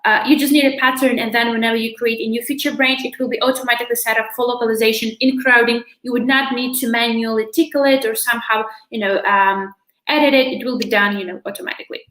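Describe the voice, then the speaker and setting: A young woman walks through a software setup on a video call, talking in a loose, chatty way with lots of "you know" fillers. Her voice sits fairly high, and the room around her sounds echoey. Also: fairly even intonation, fast. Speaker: presenter from a localization company. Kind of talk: live demo and Q&A on a video call. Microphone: video call webcam.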